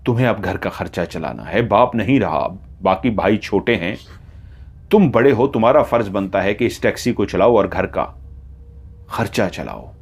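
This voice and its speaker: Widowed mother, quiet and firm, worried; a man voices her. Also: on the low side, animated, moderate pace, husky.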